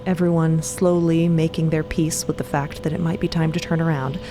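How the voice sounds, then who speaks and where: A woman's voice: low voice, flat delivery, normal speed, noisy background. A woman giving dramatic scripted narration for a fiction podcast. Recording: voice over prominent music. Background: music.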